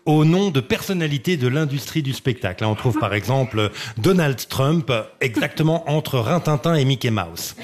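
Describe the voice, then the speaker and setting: A man telling an absurd comic story in a playful way. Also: fairly high pitch. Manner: playful, laughs easily. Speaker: comedian panelist.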